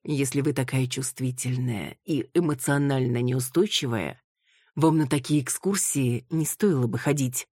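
A woman reading an audiobook, voicing a cold, condescending woman who speaks slowly and deliberately. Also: rumbling low, a little mellow, husky, no room sound, clean studio sound. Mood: mocking. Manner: slow, syllable-by-syllable, condescending. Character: cold, mocking woman ritual guide.

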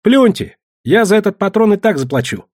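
A man voicing a bold, sharp-tongued young village woman who mocks the traders. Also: high voice, animated, fairly quick, voice pushed up. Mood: mocking. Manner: bold, mocking.

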